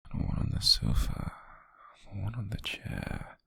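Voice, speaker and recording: A British man performs ASMR as a possessive, obsessive stalker, whispering close-up in a slow, breathy rasp that teases and menaces. His voice is on the low side with big pitch swings and a sharp tone, recorded with no room sound and exaggerated for an air of tender obsession.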